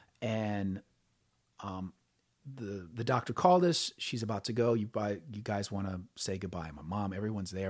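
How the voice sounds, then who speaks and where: An ordinary speaking voice, a man with an American accent talks at a moderate pace and a fairly low pitch with ordinary pitch variation, in a very clean recording with a silent background. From New Orleans, US South. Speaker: musician. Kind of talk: casual chat.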